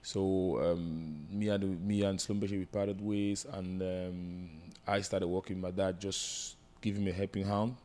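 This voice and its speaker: A man in his thirties from Cameroon, answering interview questions with many pauses and fillers. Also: low-pitched, flat delivery, darkish tone. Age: 30s. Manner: hesitant, many fillers and restarts. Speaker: guest entrepreneur.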